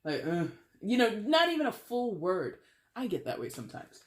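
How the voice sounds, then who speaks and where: Woman tarot reader with a fairly deep voice, chatty and animated, talks in loose run-on phrases. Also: moderate pace. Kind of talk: casual tarot reading monologue.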